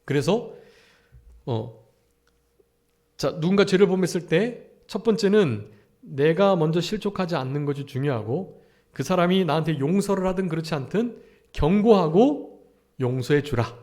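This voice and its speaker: A man's voice: fairly high pitch, expressive, normal speed, long pauses, darkish tone. A male pastor preaching a Sunday afternoon sermon at a church service, often asking the congregation rhetorical questions.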